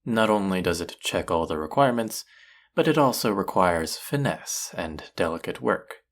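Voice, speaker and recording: A man's voice: deep voice, expressive, normal speed. A man playing a cocky, bickering chef in an intimate audio roleplay, with a teasing, sardonic and condescending manner. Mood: teasing, irritated. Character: cocky, bickering male chef, grudgingly fond rival. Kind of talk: intimate audio roleplay acting addressed to listener.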